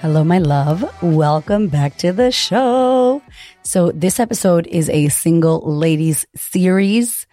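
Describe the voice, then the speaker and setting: A woman in her thirties with a raspy voice, hosting a podcast as a confidence coach and speaking frankly and encouragingly, with the odd curse, straight to the listener. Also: fairly low pitch, animated, slow, dark tone, faint music behind. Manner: frank, profane and encouraging, addresses listener directly. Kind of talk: casual podcast monologue.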